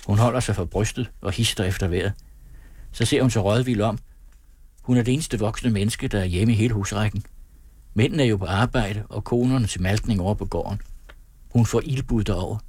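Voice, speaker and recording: A man reading a novel aloud as an audiobook narrator, calm and measured in his storytelling. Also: on the low side, husky. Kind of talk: scripted narration.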